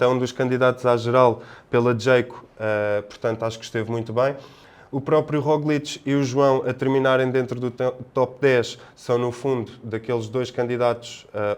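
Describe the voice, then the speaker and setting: A man with a European Portuguese accent giving casual sports analysis as a podcast panelist, in a halting, discursive manner. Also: mid-range voice, clean tone.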